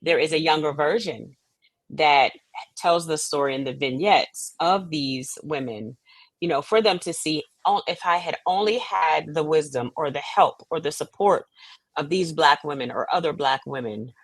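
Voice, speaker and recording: As an interview guest, a middle-aged American stage director and playwright gives reflective, explanatory answers, often adding "you know what I mean" to confirm she's followed. Her voice sits low at a normal speed, without echo.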